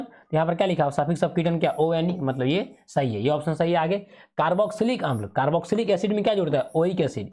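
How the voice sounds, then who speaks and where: A man's voice: fairly high pitch, a little mellow. Man teaching, quizzing himself aloud. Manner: asks and answers his own questions, repeats key terms. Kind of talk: exam revision lesson.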